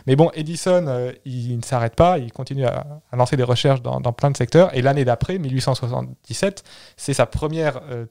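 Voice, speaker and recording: A man's voice: mid-range voice, a little mellow. Man telling history in casual chat. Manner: explanatory storytelling, repeats words while thinking. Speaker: podcast co-host telling history.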